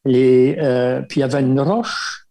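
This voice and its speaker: An older man with an Acadian French accent from Baie Sainte-Marie, telling stories from his life in a relaxed interview, with many small fillers and chuckles. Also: medium pitch, unhurried. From Baie Sainte-Marie, Nova Scotia. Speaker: guest, religious brother. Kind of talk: casual storytelling interview.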